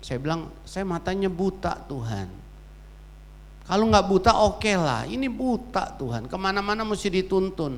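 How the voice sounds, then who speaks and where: Someone speaks at a moderate pace in an animated tone with lively intonation, and there is audible room echo. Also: man, high pitch for a man. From Indonesia, Jakarta. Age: 60s. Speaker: pastor. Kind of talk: sermon. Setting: church. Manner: animated, humorous storytelling.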